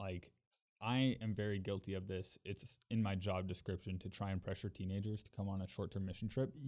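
This man has an ordinary speaking voice, fairly low in pitch, with fairly even intonation at a fairly quick pace. The recording is very clean, with a silent background. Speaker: podcast co-host and youth pastor. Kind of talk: casual chat.

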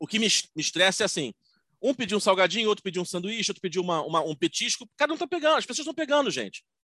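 Raising and projecting his high voice, a man races at a very fast pace with very wide pitch swings and a bright, sharp tone, in a dry, close sound with no echo. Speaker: podcast co-host. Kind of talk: casual chat. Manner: talkative.

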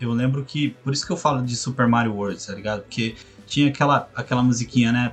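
Music plays in the background as a man speaks very fast. His pitch is medium, with ordinary variation. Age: 30s. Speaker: podcast co-host. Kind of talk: casual chat. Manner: animated.

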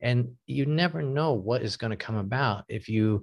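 Captured in a very clean recording with a silent background, a man speaks at a moderate pace in a somewhat breathy voice. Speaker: podcast host. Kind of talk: casual interview. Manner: halting, many filler words.

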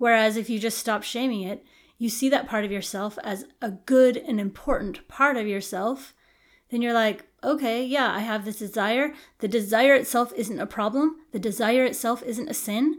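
The recording is very clean, with a silent background. A woman with a plain, everyday voice speaks at a moderate pace, fairly high in pitch, with ordinary pitch variation. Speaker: podcast host. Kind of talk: casual conversational podcast chat.

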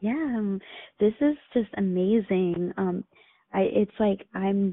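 Here a woman has a normal speaking voice at medium pitch. Her pitch variation is ordinary. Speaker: interviewer. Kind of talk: casual chat.

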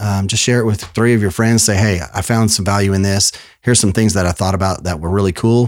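Keeping a fairly even intonation, a man rattles along at a very fast pace in a fairly low voice. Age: 50s. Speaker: podcast host. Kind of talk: monologue podcast episode. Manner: casual, filler-heavy with repetitions.

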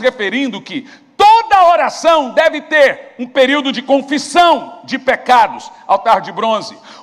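A man speaks at a fairly slow pace, his pitch extremely high. His voice swings very widely in pitch. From Brazil, Goiás (Goiânia). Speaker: pastor. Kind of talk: sermon. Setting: church.

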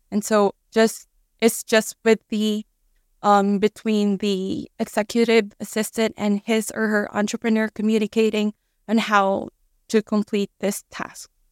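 A woman with a Filipino accent, monotone and flat in intonation, at a fairly slow pace, with a dry, close sound and no echo. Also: fairly high pitch for a woman. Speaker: virtual executive assistant. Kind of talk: interview. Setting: video call.

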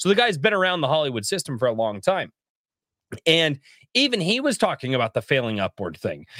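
A bright, sharp tone with an American accent, vocal fry, very wide pitch swings and a fairly quick pace, in a very clean, dry, close recording with a silent background and no echo. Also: man, fairly high pitch for a man. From Colorado. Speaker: indie comics creator. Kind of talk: casual chat.

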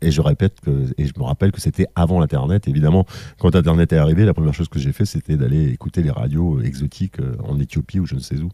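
A very fast man's voice, very deep and low, with a dark, mellow tone, ordinary pitch variation, and a dry, close sound with no echo. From New Caledonia. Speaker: radio presenter and programmer. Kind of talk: interview.

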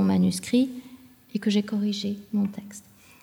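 Over noticeable background noise, a woman speaks at a very slow pace in a medium pitch. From Vietnam. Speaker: visual artist. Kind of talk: public talk.

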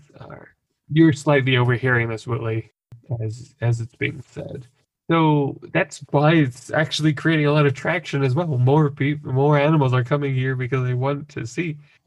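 A man speaks at a moderate pace with a fairly high pitch. His voice is somewhat breathy, and his intonation stays fairly even. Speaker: game master of a tabletop roleplaying podcast. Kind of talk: casual chat with in-character narration. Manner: stumbling, repeats words.

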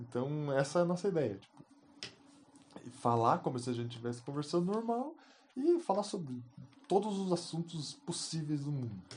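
A somewhat breathy man with a fairly high pitch speaks at a moderate pace with long, frequent pauses, very wide pitch swings and big swings in loudness. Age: 20s. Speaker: podcast co-host, electrical engineer. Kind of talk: casual chat.

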